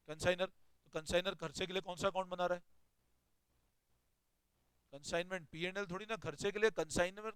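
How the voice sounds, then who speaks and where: A man's voice: sits high, a bit bright, smooth, no room sound, rough recording. A man teaching an accounting class, explaining step by step and questioning his students as he goes. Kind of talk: classroom lecture.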